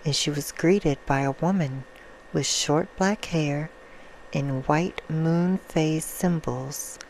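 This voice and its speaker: A woman playing a vampire who reads a bedtime story in a hushed, soothing ASMR roleplay style. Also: sits low, takes it slowly, gravelly, slight background noise, full character voice, rough recording. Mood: soft, storytelling. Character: female vampire reading a soft bedtime story.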